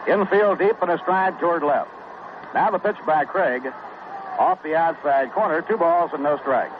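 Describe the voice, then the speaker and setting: A man doing radio play-by-play for a baseball game, brisk and even-toned, heard as an old AM radio broadcast. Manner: brisk, even-toned, reads stats between pitches. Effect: AM radio broadcast sound. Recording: tinny noisy 1960s AM radio broadcast.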